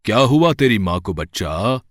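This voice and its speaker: A man playing a wandering Hindu sage in a moral story, calm and commanding, with slow, solemn delivery. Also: on the low side, dry recording, studio quality. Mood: solemn, reassuring.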